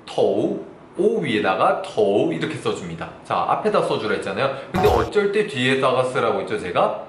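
A young man from South Korea teaching a Chinese lesson, patiently explaining and drawing out sample syllables slowly and loudly. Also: mid-range voice, echoey room, a little hiss or hum. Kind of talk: online language lesson.

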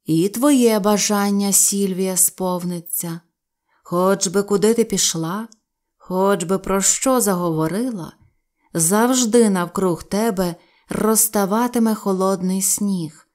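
A woman voicing old pine trees in a storybook reading, speaking slowly and drawing out her words. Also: mid-range voice, a little mellow, lightly acted. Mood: gently scolding. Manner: slow, drawn-out, rustling delivery. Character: old whispering pine trees, wise and slow.

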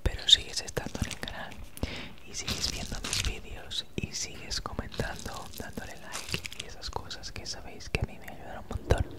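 A woman in her thirties with an accent from Spain chats casually in breathy, unvoiced ASMR whispers, very close to the mic, right in your ear, with a noticeable S sound. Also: normal speed. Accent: Spanish from Spain. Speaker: ASMR creator. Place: small home room, indoors. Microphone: handheld recorder with foam windscreen, very close.

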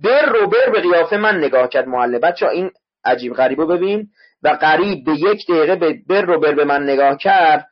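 Man teaching a literature class online, a bit husky, drills words and spellings over a muffled lo-fi mic. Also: fairly high pitch, expressive. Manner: explains word by word, repeats spellings to students. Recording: dull lo-fi online class audio.

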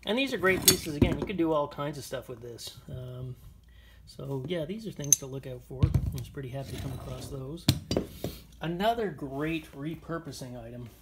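A man's voice: on the high side, expressive, moderate pace. A man walking through his antique finds on a handheld phone, talking casually with many ums and uhs. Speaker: antiques dealer showing finds. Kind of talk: casual walkthrough vlog. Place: indoor shop or barn, tiled floor. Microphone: handheld phone camera. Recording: noisy phone recording.

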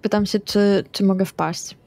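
A woman's voice: mid-range voice, steady tone, unhurried, creaky, a little mellow, no room sound. A woman playing a tabletop roleplaying game, chatting casually in and out of character.

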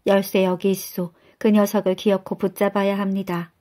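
A woman voicing a sharp-tongued village wife who snaps back at her husband. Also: mid-range voice, flat delivery, moderate pace, close to an everyday voice. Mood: compliant. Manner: retorting, indignant.

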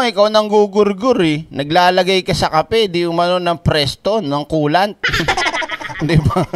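High-voiced mocking male commentator. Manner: mocking, laughs often, swears. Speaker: commentary channel host. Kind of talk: reaction commentary.

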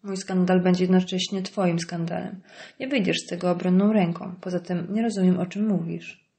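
A woman's voice: on the low side, steady tone, normal speed, creaky, mellow. A woman reading an audiobook voices a curt, irritable middle-aged politician husband. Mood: curt, irritated. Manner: curt, dismissive.

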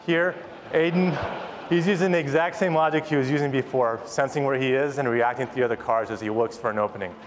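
A man's voice: mid-range voice, steady tone, fast talker. A man in his thirties, a company founder, giving an enthusiastic, rehearsed keynote product presentation on a large conference stage. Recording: long hall reverb, audience noise.

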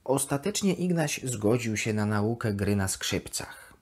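A woman's voice: extremely low pitch, lively intonation, a little slow, a little mellow, breathy edge, exaggerated voice. A woman voicing a chatty, devoted plush toy duck, expressively confiding her diary in a children's bedtime audio story. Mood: fond, chatty.

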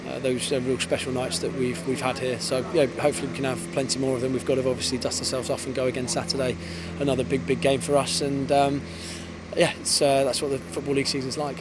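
A man in his thirties, an English football head coach, giving a post-match interview outdoors on a floodlit pitch at night, fast and thoughtful with many restarts. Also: little pitch movement. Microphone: handheld interviewer mic. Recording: outdoor with clear background noise.

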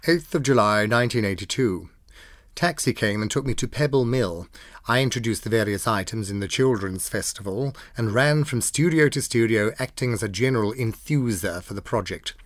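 A man's voice: lowish voice, normal speed, dry recording, clean studio sound. A man with a British accent giving a scripted, dramatic reading of diary entries. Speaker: diary reader. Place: dry studio.

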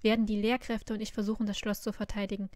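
A woman reading the lines of a stern female headmistress of a magic school, giving urgent orders in a flat, dry-sounding storybook reading. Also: medium pitch, quick pace, no room sound, close to an everyday voice.

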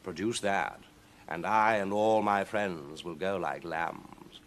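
A man voicing a sly, imperious demon cat in a storybook, with a smug, deliberate drawl. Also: sits low, a bit bright, a little hiss or hum. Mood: smug, taunting.

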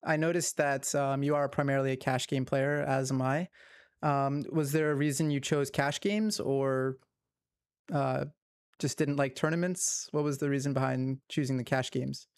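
A young man hosting a podcast, asking interview questions in a relaxed way with fillers. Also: medium pitch, moderate pace, smooth, no room sound, studio quality. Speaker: podcast host. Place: home streaming room. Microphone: headphones and studio mic.

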